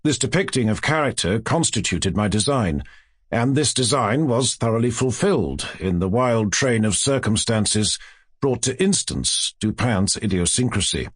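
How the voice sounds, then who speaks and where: A man reads classic literary fiction in a formal, measured manner. His mid-pitched voice rises and falls in a lively way. The recording is close and dry, with no room sound. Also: husky, no echo. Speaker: audiobook narrator.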